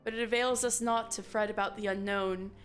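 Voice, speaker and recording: A woman reading the part of a calm, formal woman leader, in a measured, formal manner. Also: medium pitch, faint music behind, close to an everyday voice. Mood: grave counsel.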